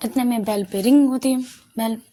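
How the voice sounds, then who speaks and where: A woman's voice: a little high, steady tone, normal speed, dark tone. A woman narrating a love story in a loose, conversational way, often correcting herself mid-sentence. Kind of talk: casual audio story narration.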